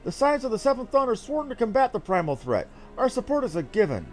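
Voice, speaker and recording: Guy doing a formal young noble scholar from a fantasy game, measured n sure of himself, highish voice. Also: sing-song, faint music behind. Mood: formal, determined. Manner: formal, measured, self-assured. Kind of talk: reading game dialogue aloud in character.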